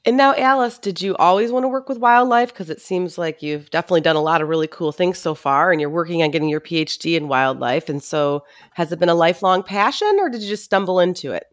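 Upbeat woman podcast host, mid-pitched, dry close mic, rambling questions. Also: lively intonation, fast talker, hardly any pauses, dry recording. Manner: upbeat, chatty, asks long rambling questions. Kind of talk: casual interview chat.

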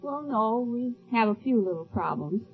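A woman's voice: fairly high pitch, animated, moderate pace, breathy edge. A young woman giving brief answers as a contestant interviewed on a radio quiz show. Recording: tinny vintage radio recording, faint music.

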